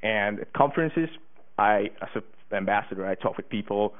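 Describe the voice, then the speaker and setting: This Hungarian conference presenter is an eighteen-year-old man whose fairly low voice moves at a normal pace with animated inflection. Eagerly, he stumbles through fillers and restarts, and the conference-room audio sounds tinny and phone-like.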